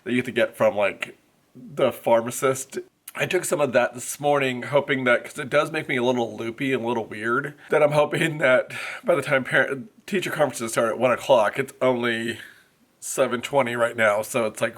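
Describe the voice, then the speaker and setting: A man's voice: mid-range voice, fairly bright tone. A man in his forties, a teacher, talking casually to camera in a rambling, chatty way, his voice congested. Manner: rambling, chatty, many fillers. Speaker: first grade teacher vlogger. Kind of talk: casual vlog chat to camera. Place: classroom, then inside a car. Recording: faint road noise.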